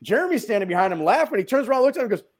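A man from the Northeast US, a podcast guest, telling stories in a lively, casual way and swearing freely. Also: extremely high pitch, very fast. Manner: animated storyteller, swears casually.

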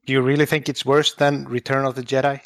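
A man co-hosting a casual podcast chat, talking in a relaxed but argumentative way. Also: medium pitch, fast, no echo.

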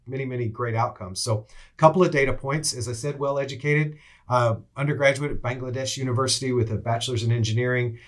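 A middle-aged assistant dean with a mid-range voice hosts a university interview podcast, introducing a guest enthusiastically and with frequent fillers.

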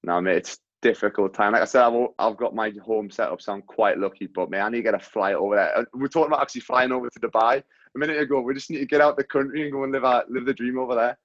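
A man hosting a podcast in casual chat, calling his guest mate, his voice coming through low-quality, lo-fi audio from a faulty mic and a weak connection. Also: fast, a bit bright, dry recording. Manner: chatty, friendly, calls the guest mate. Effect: low-quality audio from a faulty mic and wifi. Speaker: podcast host. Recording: dull, lo-fi, dry mic audio.

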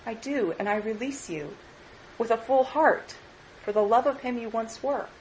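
Gentle, grieving young woman, soft and steady , a woman reading her part, faint ambience. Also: a little high, normal speed, dull audio, slight background noise, natural voice. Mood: sorrowful.

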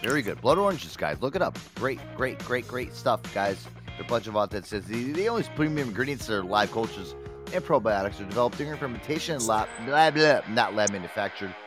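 A man's voice: medium pitch, lively intonation, a little fast, music in the background. A man hosting a casual talk show, reading sponsor ads and bossing his co-host in a brash, joking way. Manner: brash, laughs often, bossy with co-host. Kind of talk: casual radio-style show with ad reads.

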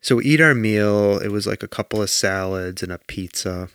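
A man co-hosting a podcast, chatting casually and telling rambling stories in a deadpan way with plenty of fillers. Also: fairly low pitch, moderate pace, clear, resonant tone, no echo. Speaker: podcast co-host. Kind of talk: casual chat.

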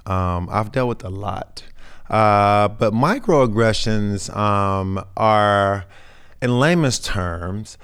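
A young man with a very deep, resonant voice, roughened into raspiness by a sinus infection. He talks earnestly as an interview guest, choosing his words with care. He leans on fillers and restarts. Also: extremely slow, a bit bright. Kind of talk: casual conversational interview.

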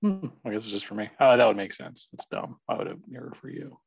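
A man's voice: fairly low pitch, big pitch swings, fast, gravelly, husky, dry recording. A young man co-hosting a podcast, teasing and playful in casual chat. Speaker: podcast co-host.

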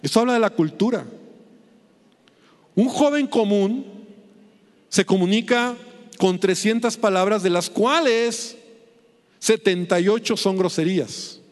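A man's voice: high voice, unhurried, long pauses, in a large hall. A middle-aged man preaching a sermon, chatting with the congregation and checking in with constant tag questions.

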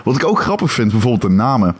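A man co-hosting a game podcast in casual chat, animated with hesitant restarts and casual swearing. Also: medium pitch, fast talker, slightly rough.

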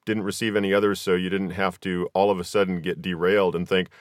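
Low-voiced male podcast interviewer, dry sound. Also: flat delivery, fast, no echo. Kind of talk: casual conversational interviewing.

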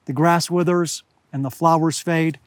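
An older man preaching a sermon outdoors at high altitude, slightly hoarse, earnest and deliberate, slowing down to stress key words. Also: steady tone, no room sound. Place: outdoors among pine trees at high altitude.

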